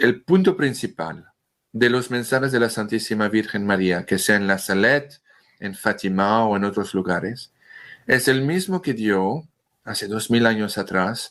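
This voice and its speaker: A man with a French accent speaks at a fairly slow pace with lively intonation. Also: medium pitch for a man. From France. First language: French (speaking Spanish). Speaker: religious speaker on Marian apparitions. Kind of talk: interview. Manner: halting.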